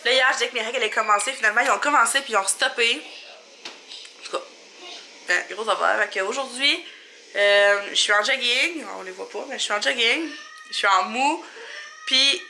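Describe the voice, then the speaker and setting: A woman's voice: fairly high pitch, vocal fry, pushed and bright, slight background noise. A young woman with a Quebec French accent and a stuffed-up nose, chatting casually and thinking aloud in a vlog at home. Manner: rambling, informal, thinking aloud. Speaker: vlogger and mother. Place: indoors at home.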